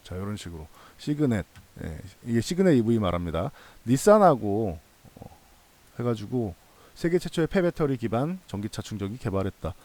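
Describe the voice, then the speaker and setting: A man's voice: on the low side, big pitch swings, normal speed, darkish tone. A man hosting a stock analysis channel, explaining things in a casual, conversational and reassuring way, repeating points for emphasis. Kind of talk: casual explanatory commentary to viewers.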